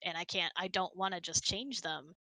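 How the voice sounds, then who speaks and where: A woman's voice: lowish voice, normal speed, bright, forceful tone, no echo. A middle-aged woman in casual conversation, talkative and explanatory as she hosts and answers questions. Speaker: host of a couple's hangout. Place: close, dry room on an online voice chat.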